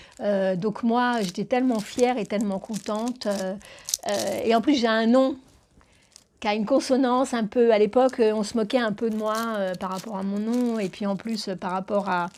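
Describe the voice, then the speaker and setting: The woman's fairly high voice keeps fairly even intonation at a moderate pace. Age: 60s. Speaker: vlogger. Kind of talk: casual storytelling vlog. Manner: hesitant, many fillers.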